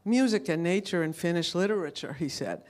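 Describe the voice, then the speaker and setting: A woman's voice: lowish voice, expressive, fairly quick, darkish tone. A woman reading literary prose aloud at a live event, as an author who adds informal asides. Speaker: author reading from own novel.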